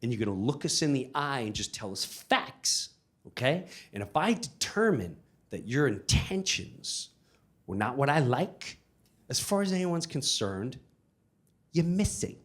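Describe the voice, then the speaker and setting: A man's voice: mid-range voice, sing-song, unhurried, fairly bright tone, voice pushed down. A man playing an intense, menacing federal agent with a stern, intimidating delivery, on stage before an audience. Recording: live comedy club, audience noise.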